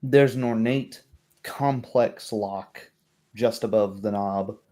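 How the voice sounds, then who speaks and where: A man narrating a tabletop roleplay game as game master in a measured, descriptive way. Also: fairly low pitch, warm tone.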